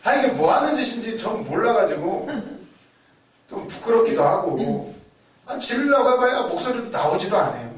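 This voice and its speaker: A man with a high voice preaches at normal speed, vividly telling stories, repeating key words for emphasis, and acting out the voices and shouts he quotes. The recording is very echoey, with the mic far away.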